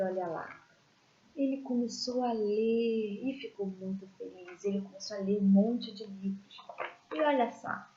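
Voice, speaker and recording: A woman teaching a children's religious class, telling stories in a gentle, expressive way and pointing out pictures as she goes. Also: on the high side. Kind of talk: storytelling lesson for children. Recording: echoey room, dull lo-fi sound.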